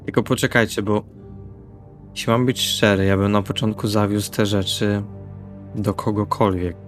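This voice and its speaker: A man speaks casually as a player in a tabletop role-playing session. His voice is on the low side, over faint background music. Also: level tone, moderate pace. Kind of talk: casual in-character table talk.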